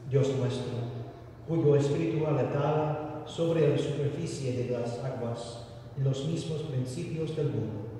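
A male priest with a slightly high, mellow voice recites a solemn liturgical prayer in a large church, reading formally and at a measured pace with occasional stumbles. A distant camera recorded him, so the sound carries a cathedral-like echo and room noise.

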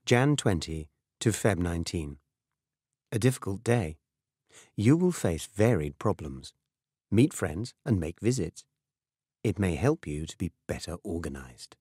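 Deep-voiced British man narrating an audiobook. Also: very animated, slow, long pauses, darkish tone, breathy edge, no echo, studio quality. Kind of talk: scripted first-person novel narration.

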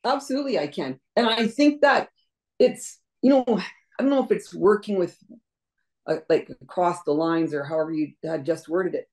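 A woman's voice: lowish voice, moderate pace, darkish tone. A middle-aged woman, a deputy mayor running for office, answering earnestly over a video call from her home, often repeating words. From Canada. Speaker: deputy mayor, election candidate. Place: home room indoors. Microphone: laptop webcam on video call.

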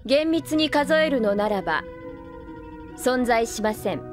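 A fairly high female android voice, composed and emotionless. Every phrase is formal, measured and logical, as in an audio drama, with music clearly underneath. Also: expressive. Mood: detached, analytical. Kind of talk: Japanese audio drama acting.

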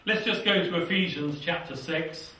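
Older British male preacher, fervent, drops to a hush at phrase ends; distant, very reverberant hall. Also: a little high, normal speed, a little hiss or hum. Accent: British English. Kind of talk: sermon with scripture reading. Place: small church hall with seated congregation. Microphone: lapel mic. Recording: echoey hall, somewhat far from mic.

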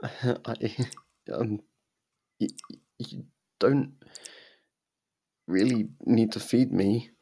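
Man acting a slow, gravelly frightened captive, echoing. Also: fairly low pitch, warm tone, heavily acted. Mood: timid, submissive. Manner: halting, stammering, timid. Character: frightened captive young man, humiliated and pleading. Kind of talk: ASMR roleplay audio drama. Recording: echoey, long cavernous reverb.

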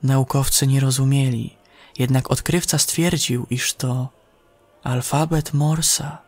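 Slow-speaking male horror narrator. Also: mid-range voice, flat delivery, a little mellow, slightly rough, no room sound. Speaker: storyteller, narrator. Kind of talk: scripted narration of a sci-fi horror audio story. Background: music behind the voice.

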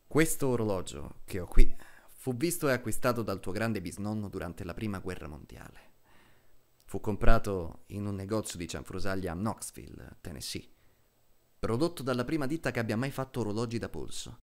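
Man acting a solemn, low-voiced military officer. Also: lively intonation. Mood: solemn, measured. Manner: measured, deliberate, with dramatic pauses. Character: solemn middle-aged male military officer addressing a child. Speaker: voice actor dubbing a film character. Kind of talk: dramatic film monologue, Italian dub.

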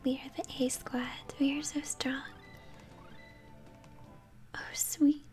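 A young woman whispers gently and breathily into a close mic, commenting on a game she plays in ASMR style. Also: high voice, level tone. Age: young adult. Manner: gentle, unhurried murmuring. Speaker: game streamer. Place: small indoor room at home. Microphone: close microphone. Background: game music.

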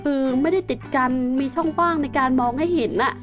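A woman's voice: high-pitched, fast, over music. A young woman hosting a survival game video, chatting to viewers and exclaiming as she explores. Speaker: game host. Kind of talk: casual Let's Play commentary.

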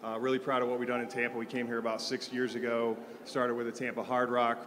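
Guy on a panel, pretty monotone, lots of uhs, big reverby hall. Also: mid-range voice, crowd noise. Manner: halting, many uh fillers. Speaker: construction general manager, panelist. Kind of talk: conference panel introduction.

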